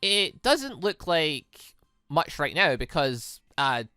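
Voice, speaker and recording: A cheerful young robot girl from a visual novel, as a narrator acts her out, bright and bouncy in pitch. She is polite, precise and formal, and stays matter-of-fact. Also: sing-song, takes it slowly, clear, resonant tone, dry recording, studio quality, full character voice. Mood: helpful, precise.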